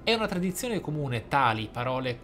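Male game commentator, medium pitch, reflective, explanatory, faint ambient noise behind. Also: very animated, a little fast, a bit bright. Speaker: gaming video host. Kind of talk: role-play game commentary, some reading aloud of in-game text.

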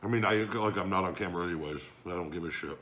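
A man's voice: deep voice, fast, a bit bright, slight background noise. A man talking with his mouth full while eating on camera, crude and blunt, swearing as he rambles. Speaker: mukbang vlogger. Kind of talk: casual chat while eating.

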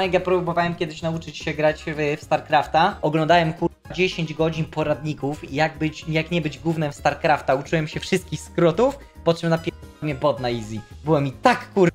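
A man hosting a stream, casually reacting to memes in a loose, profane way. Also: a little high. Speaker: streamer host.

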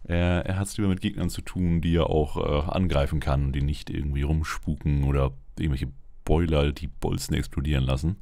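A man's voice: extremely low pitch, steady tone, brisk, vocal fry, hardly any pauses, dark tone, dry recording. A man giving casual, wry gameplay commentary with a bit of roleplay, muttering to himself as he plays. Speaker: let's play host. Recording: noticeable background noise, game ambience. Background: video game ambience.

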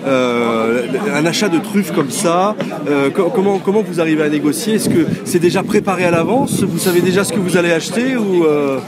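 A man's voice: a little high, lively intonation, brisk, hardly any pauses, a loud crowd. A man interviewing at a market, asking polite questions with hesitations. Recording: loud music behind.

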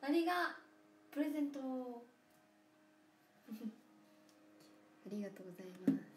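A woman in her twenties hosting a casual livestream, speaking softly and often dropping to a near whisper, with playful drawn-out thank-yous to viewers. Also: fairly high pitch, lively intonation. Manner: soft-spoken, often drops to a near whisper. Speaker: idol livestream host. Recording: roomy room with faint hum.

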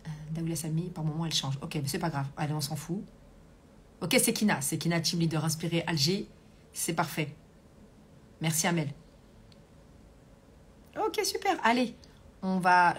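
A woman's voice: fairly low pitch, moderate pace, slight background noise. A woman coach hosting a live stream, chatting casually, reading comments aloud and talking with many fillers. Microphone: Bluetooth hands-free earpiece.

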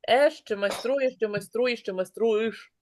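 A woman teacher leads an online lesson in a brisk, encouraging way. Her voice sits a little high, and she keeps calling on pupils by name. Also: darkish tone.

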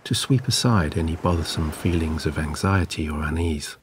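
A man narrating a scripted guided sleep meditation in a soothing, gentle, measured way. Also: extremely low pitch, noisy background. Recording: clear background ambience of waves. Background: relaxing ocean wave sounds.

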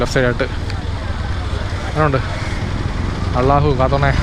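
A man with a slightly high voice and a Trivandrum Malayalam accent talks quickly over clear vehicle and outdoor noise. He gives casual, chatty commentary from a bike ride, dropping English words into his Malayalam. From Kerala, India. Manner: chatty, repetitive exclamations. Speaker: motorbike vlogger. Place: outdoors on a moving motorbike. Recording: noisy outdoor recording with traffic and engine.

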